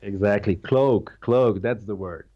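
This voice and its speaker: A man's voice: fairly low pitch, a little slow, dull audio. A man with a Slovenian accent, Slovenian his first language, talking as an actor guest in a casual interview, searching for words and restarting often. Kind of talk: casual interview over a call.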